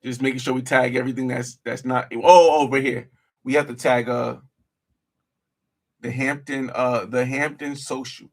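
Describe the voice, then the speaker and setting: A man's voice: mid-range voice, little pitch movement, normal speed. A man YouTuber giving casual live-stream commentary to his viewers, muttering to himself as he edits at a desk mic. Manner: laid-back, talks to viewers as "y'all", mutters while working.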